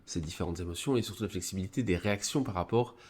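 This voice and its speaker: A man who has a cold, hosting a live stream, explaining a psychology article in a casual, halting way with many fillers and restarts. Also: sits low, a little mellow. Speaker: streamer presenting a psychology review.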